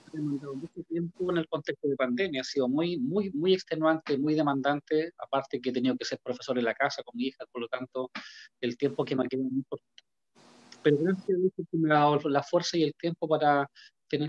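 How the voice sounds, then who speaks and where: A man rattles along at a very fast pace in a fairly high voice with ordinary pitch variation, recorded dry and close with no echo. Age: 40s. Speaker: student, pastor. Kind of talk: class self-introduction.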